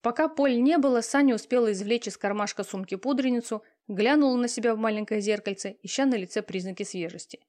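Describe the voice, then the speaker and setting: A woman reading novel narration in an even storytelling manner. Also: fairly high pitch, fast, hardly any pauses. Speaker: audiobook narrator. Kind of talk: scripted narration.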